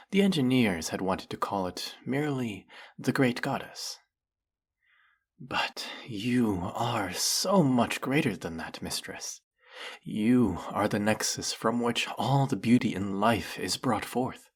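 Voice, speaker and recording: A man's voice: on the low side, lively intonation, slow pace, breathy edge, exaggerated voice. A man playing a fanatically devoted, lovestruck male demon servant in a fantasy audio roleplay, speaking in a formal, theatrical, over-the-top reverent way. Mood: rapturous worship. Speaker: voice actor.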